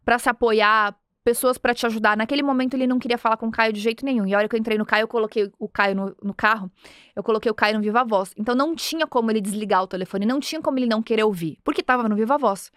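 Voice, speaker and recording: A woman from Brazil in her thirties, hosting a podcast and telling a personal story in an earnest, animated way, acting out bits of dialogue. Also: fairly high pitch, racing, no room sound, studio quality. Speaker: podcast host. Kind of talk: motivational storytelling.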